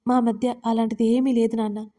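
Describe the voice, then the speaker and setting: A gentle, frightened young bride speaks softly and begs, as a woman reads her. Her voice is somewhat high and warm, timid in every word. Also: little pitch movement, fairly quick, natural voice. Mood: pleading. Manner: soft, timid, pleading.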